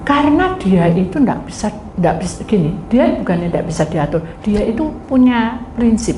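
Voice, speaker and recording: A woman's voice: mid-range voice, lively intonation, normal speed, dark tone. A middle-aged woman pastor preaching a sermon, telling stories and acting out voices as she addresses her congregation. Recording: echoey room, faint ambient noise.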